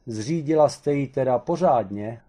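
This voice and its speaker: A man voicing a blunt male detective who speaks loudly and bluntly. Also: medium pitch, voice pushed up, natural voice.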